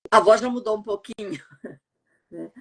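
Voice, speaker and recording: Husky middle-aged Brazilian woman, chatty. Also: medium pitch, measured pace. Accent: neutral Brazilian Portuguese, no regional accent. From Goiás, Brazil. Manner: chatty, frequent "né?" tags, laughs easily. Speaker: voice actress and translator, podcast guest. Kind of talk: casual interview storytelling. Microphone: remote call.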